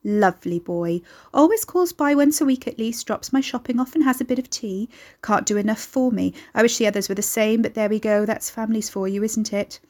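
A woman's voice: fairly high pitch, fairly quick, a little mellow, close to an everyday voice. A woman voicing an elderly, gossipy grandmother in an audiobook, maternal and pushy, with folksy, rambling talk. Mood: proud, chatty. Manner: folksy dialect, rambling, nosy.

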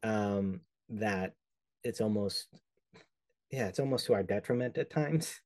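A young man from El Salvador talks through his ideas slowly, restarting sentences as he finds the right words. His voice is mellow and fairly low. The sound is close and dry. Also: dry recording. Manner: thoughtful, searching, frequent restarts and fillers. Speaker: podcast guest. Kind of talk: reflective conversational interview.

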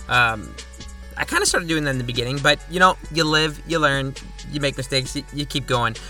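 A man hosting his own sports podcast, chatting casually with joking asides and quick rundowns. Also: mid-range voice, expressive, pushed and bright, soft background music. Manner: chatty, jokey asides, rapid topic rundowns. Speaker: podcast host.

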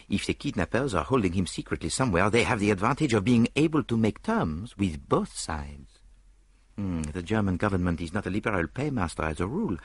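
Man voicing excitable Belgian detective, storybook, high lifted voice, husky. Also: dry recording. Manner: theatrical, rising pitch, quick bursts. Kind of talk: audiobook character voice.

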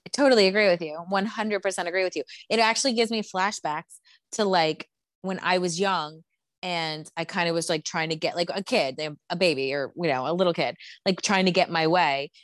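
A young woman co-hosts a podcast, chatting casually with strong opinions and saying "like" a lot. Her fairly low voice is brisk and steady in tone. The studio recording is clean, with no echo.

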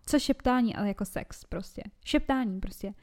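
A woman's voice: mid-range voice, darkish tone. A young woman co-hosting a podcast, chatting frankly and bluntly, swearing freely and giggling often. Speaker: podcast co-host. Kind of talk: casual frank podcast chat.

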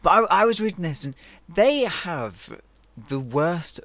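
A young man co-hosting a podcast in casual chat, laid-back and quick to laugh. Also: fairly high pitch, very animated, a little hiss or hum. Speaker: podcast co-host.

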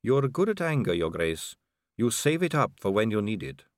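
Brief: male narrator as a sly aristocratic vampire lady, audiobook; cool, unhurried, faintly mocking. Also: on the low side, big pitch swings, no echo, studio quality. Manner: cool, drawling, amused and poised. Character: calm, elegant, sly female vampire noblewoman. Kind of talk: audiobook character reading.

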